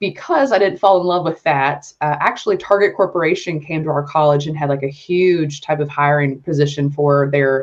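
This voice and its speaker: A woman speaks with a Southern US accent. Her pitch is very deep and low, with fairly even intonation. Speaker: web design business owner. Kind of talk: podcast interview. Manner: casual, many fillers.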